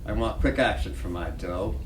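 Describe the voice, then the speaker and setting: An actor in a dramatic play reading, playing a dutiful, starstruck hotel night clerk who muses and speaks with deference. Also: male voice, lowish voice, moderate pace, close to an everyday voice. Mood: awed daydreaming. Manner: musing to himself, eager and deferential. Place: library reading room. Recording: distant echoey room, faint noise.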